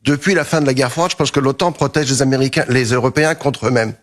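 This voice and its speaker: Un homme né en France, commentateur des affaires américaines, qui expose une analyse dans un débat télévisé. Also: male voice, medium pitch, quick pace. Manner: explanatory, analytical. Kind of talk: TV debate.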